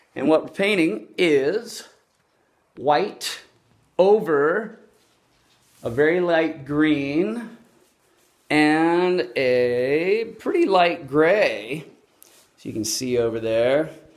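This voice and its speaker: Over a quiet background, a man with a fairly high voice and lively intonation speaks at a very slow pace, with long, frequent pauses. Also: big swings in loudness. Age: 50s. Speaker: YouTuber reviewing house paint. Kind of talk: casual video review. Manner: casual, conversational. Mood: jokey, mildly skeptical. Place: home room. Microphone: phone near.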